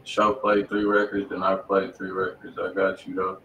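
A low, flat-voiced man co-hosts a music livestream from a home studio, calmly reading out who is next in the queue. He sits back from the mic in a roomy space, with a faint background hum. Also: normal speed, far from the mic, muffled recording. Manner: flat, matter-of-fact queue calling. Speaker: livestream co-host. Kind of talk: casual livestream chat.

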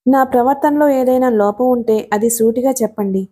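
A woman's voice: fairly high pitch, moderate pace, warm tone, breathy edge. A woman voicing a loving, anxious young wife who speaks earnestly and reproachfully.

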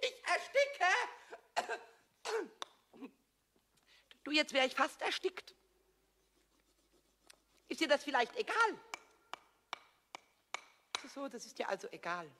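Small cheeky kobold: screechy, high-pitched, boastful, melodramatic, for a children's audio drama. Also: male voice, wildly swooping pitch, moderate pace, bright, forceful tone, a little hiss or hum, heavily acted. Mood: whiny, panicked. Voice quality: squeaky, screechy. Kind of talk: German children's radio play.

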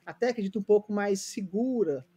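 A husky, high-pitched, warm-toned man talks a little fast over dull audio. He's a late-thirties Brazilian from Goiânia, earnestly and reflectively telling his story in Brazilian Portuguese as a casual remote interview guest, with many fillers and restarts.

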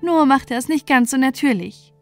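Fairy-tale audiobook: a high, haughty young princess, put on by a woman narrator, demanding and mocking, light music under her. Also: moderate pace, no room sound.

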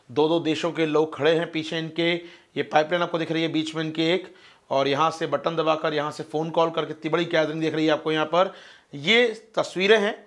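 A fast-talking man teaching an online exam-prep class, his voice sitting fairly high. He keeps asking his listeners questions and answering them himself, and he calls them his friends. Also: fairly bright tone. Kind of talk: online lecture explaining a map.

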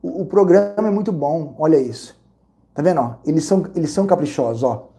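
Man, Brazilian Portuguese accent, casual vlog storytelling, warm dark tone, slightly high voice. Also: fairly quick, creaky. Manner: animated, repetitive, exclamatory. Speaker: vlogger reviewing credit card perks and hotels.

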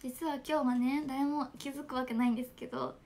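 A woman's voice: high-pitched, level tone, a little fast, vocal fry, a little mellow. A young woman from Japan, chatting casually with fans on a smartphone livestream, giggling and reading out comments. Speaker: idol livestreamer.

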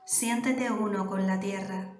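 A meditation guide with a Canary Islands Spanish accent leads a guided meditation in a mid-range voice. Her instructions come slowly, softly and calmly, with long pauses. The recording has a roomy echo, and soft music plays behind her.

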